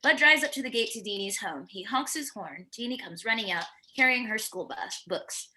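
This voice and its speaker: Bright-voiced woman reading stage directions. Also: mid-range voice, animated, moderate pace, poor audio. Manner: plain descriptive reading with occasional stumbles. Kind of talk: reading screenplay directions aloud at a virtual table read.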